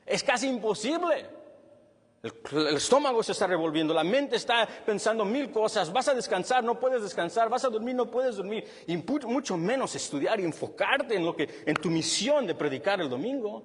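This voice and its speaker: A male pastor preaching a sermon with a husky voice, animated and then dropping low and quiet to stress a point. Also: normal speed. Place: church hall with long reverb. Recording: reverberant church hall.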